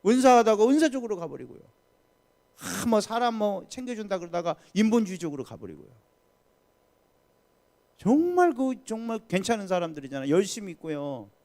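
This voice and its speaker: A man's voice: sits high, very animated, fairly quick, darkish tone. A man preaching a sermon as pastor at a midweek prayer service, talking emphatically and putting questions to the congregation.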